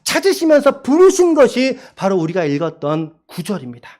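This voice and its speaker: Animated male pastor questioning his flock. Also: extremely high pitch. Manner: asks the congregation questions, reads scripture slowly. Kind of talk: sermon. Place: church sanctuary.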